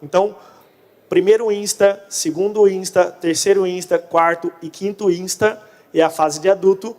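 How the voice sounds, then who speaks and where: A man with a Brazilian accent gives a conference talk in a fairly high-pitched voice. He is a native Portuguese speaker mixing in Spanish as Portunhol. The sound carries the long reverb of a large hall. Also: fairly even intonation, moderate pace, a little mellow. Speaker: conference speaker on pest control. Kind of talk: conference presentation.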